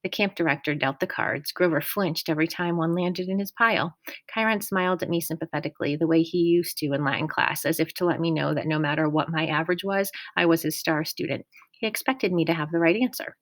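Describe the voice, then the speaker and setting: Woman narrating an audiobook, lowish voice. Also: a little fast, dry recording. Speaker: audiobook reader.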